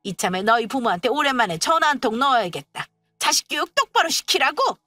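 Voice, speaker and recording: A woman's voice: sits high, big pitch swings, fast, pushed and bright, no room sound, soft background music, full character voice. Woman putting on a haughty mother-in-law. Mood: contemptuous. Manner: contemptuous, lecturing.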